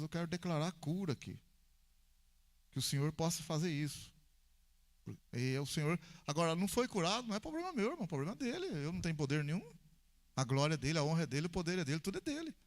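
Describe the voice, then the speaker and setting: Brazilian pastor guy, high voice, preaching and acting out little stories, goes quiet then loud. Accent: Brazilian Portuguese. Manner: storytelling with acted dialogue, swings between calm and loud. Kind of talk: sermon.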